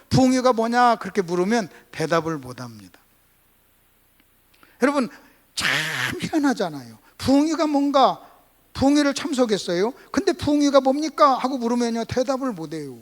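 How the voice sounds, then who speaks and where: A man's voice: very high-pitched, big pitch swings, a little fast. A man from South Korea preaches a revival sermon as a pastor, teaching emphatically with repetition and rhetorical questions to his congregation. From Gunsan, North Jeolla, South Korea. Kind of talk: Sunday revival sermon with call-and-response to congregation. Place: church service.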